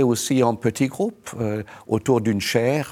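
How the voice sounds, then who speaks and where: Speaking very slowly with a German accent, a man has a medium-pitched voice and a dark, mellow tone. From Germany, Cologne. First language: German (speaking French). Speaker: Jesuit theology professor. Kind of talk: interview.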